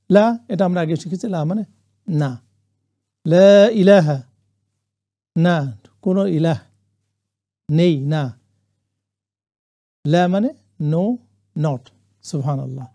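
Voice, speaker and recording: A man teaching the meaning of Quranic Arabic words, reciting phrases slowly for listeners to repeat and adding English glosses. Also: on the high side, dark tone, slightly rough. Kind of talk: classroom lesson on Quranic Arabic.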